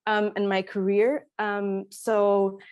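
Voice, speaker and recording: A woman's voice: mid-range voice, flat delivery, slow pace, a little mellow, no echo, clean studio sound. A woman from Egypt giving a conference presentation, speaking hesitantly with many fillers and restarts. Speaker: speaker presenting at an academic talk.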